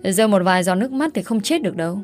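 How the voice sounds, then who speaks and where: A woman's voice: mid-range voice, animated, very fast, a little mellow, soft background music, natural voice. A woman voicing a cold, cutting older mother-in-law in a spoken story.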